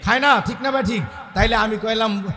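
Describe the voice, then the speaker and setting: Village preacher yelling his sermon, high voice, sing-songy, big echo tail. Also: a little fast, noisy background. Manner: shouting, sing-song chanting, calls to the crowd. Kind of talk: fiery village sermon with storytelling.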